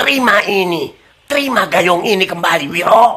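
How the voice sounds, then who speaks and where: A man puts on a character voice at a high pitch. He talks at a moderate pace. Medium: read story. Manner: rough, bossy, mocking.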